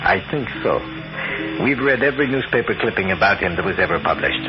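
An actor playing a smooth, scheming swindler boss in an old radio crime drama, muffled by the vintage recording. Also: male voice, lowish voice, expressive, fairly quick, music in the background, natural voice. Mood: businesslike. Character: smooth scheming con-man boss posing as spirit medium.

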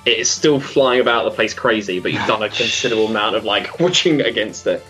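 A man's voice: fairly low pitch, animated, quick pace, pushed and bright, faint music behind. A man narrating a tabletop game as game master, in loose, chatty talk full of fillers and laughs.

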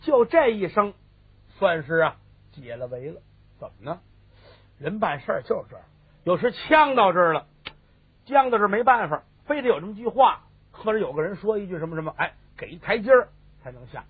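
Male storyteller, high animated voice, husky, tinny phone-band recording, theatrical. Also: brisk, long pauses, no echo. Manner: lively, theatrical, asks and answers own questions. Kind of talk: traditional comic storytelling.

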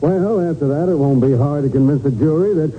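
A man's voice: a little high, a little fast, narrow, tinny audio, slight background noise, close to an everyday voice. An actor playing a detective's inquisitive male associate in a 1940s radio crime drama. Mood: curious. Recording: band-limited old 1940s radio recording.

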